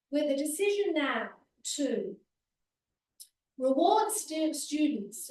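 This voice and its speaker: A woman with an Australian accent talks at a very slow pace with lively intonation. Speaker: university language teacher. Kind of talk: conference presentation. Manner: hesitant with fillers.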